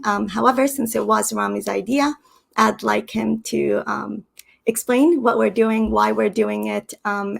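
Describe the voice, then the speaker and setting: A woman hosting her channel, talking casually and haltingly with many ums and uhs. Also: mid-range voice, creaky. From Canada. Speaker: channel host. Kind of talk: casual explanatory talk. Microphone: stream setup.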